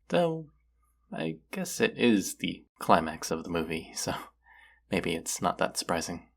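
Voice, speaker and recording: A man's voice: lowish voice, creaky, heavily acted. A man acting a young guy with a secret crush on his best friend, chatting playfully and teasingly in an intimate roleplay audio drama, sometimes hesitant. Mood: wry, casual. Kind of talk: intimate roleplay audio drama, casual one-sided chat.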